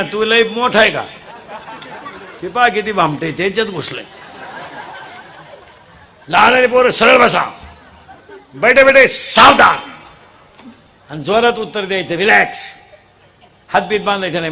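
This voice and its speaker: A man leading a comic devotional kirtan, teasing the crowd and quizzing children, urging them to answer loudly. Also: high voice, fairly quick, pauses often. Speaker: kirtan preacher. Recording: live crowd with faint noise.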